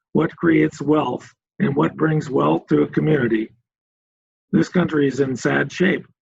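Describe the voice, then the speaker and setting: At a moderate pace, a man with a medium pitch and vocal fry moves through very wide pitch swings. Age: 70s. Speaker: furniture company founder and chairman. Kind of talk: Q&A answer at a club meeting. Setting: video call.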